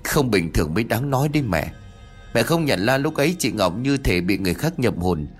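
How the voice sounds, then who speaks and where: A man voicing a sensible young woman who reasons calmly. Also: medium pitch, fairly quick, husky, faint music behind. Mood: reasoning. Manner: calm, reasoning.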